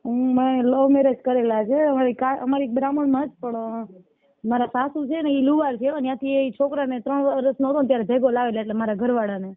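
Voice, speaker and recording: A woman's voice: high voice, fairly even intonation, fast talker. A woman of twenty-nine with a Saurashtra Gujarati accent, calling by phone to explain her situation and ask for help. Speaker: caller seeking help. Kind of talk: pleading personal account on a phone call. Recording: dull lo-fi phone call recording.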